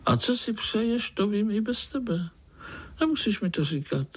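A haughty little golden fly girl with a magical air, high, lilting and sure of herself, as a male storyteller puts her on. Her voice is a little husky and swings widely in pitch, and she speaks with calm self-assurance. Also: full character voice. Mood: self-assured. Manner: haughty, matter-of-fact.

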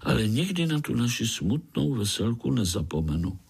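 A man voicing a young female fly bride bidding a slow, melodramatic farewell. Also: mid-range voice, sing-song, gravelly, breathy edge, full character voice. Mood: mournful.

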